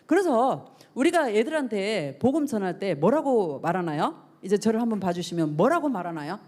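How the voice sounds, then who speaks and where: A woman's voice: mid-range voice, very animated, moderate pace, darkish tone. A middle-aged woman pastor preaching to a youth service, asking the young listeners questions and acting out the voices she quotes. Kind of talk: youth sermon. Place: church service.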